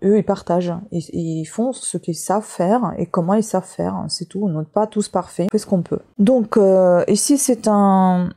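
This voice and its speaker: A woman's voice: mid-range voice, moderate pace, few pauses, dark tone. A woman who is not a native French speaker, hosting a crochet channel, talking frankly and with frequent hesitations as she vents her frustration. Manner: frank, exasperated, many hesitations. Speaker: crochet YouTuber. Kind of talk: casual tutorial intro, venting rant.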